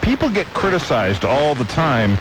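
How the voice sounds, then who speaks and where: A man's voice: a little high, big pitch swings, moderate pace. Chatty, opinionated man on noisy radio tape. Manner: opinionated, chatty, reasons things out aloud. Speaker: radio show co-host. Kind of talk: casual radio talk show banter.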